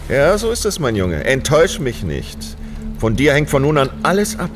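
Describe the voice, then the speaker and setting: A man's voice: medium pitch, very animated, moderate pace, faint music behind, natural voice. A man playing a stern, demanding father in an audio drama, speaking in a solemn, commanding way. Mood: stern, urgent. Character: stern, demanding father burdening his young son.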